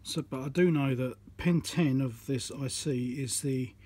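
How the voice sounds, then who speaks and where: A man's voice: medium pitch, measured pace, darkish tone, husky. A man giving casual commentary as he repairs electronics, thinking aloud as he works at a workbench. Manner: muttering, thinking aloud while working.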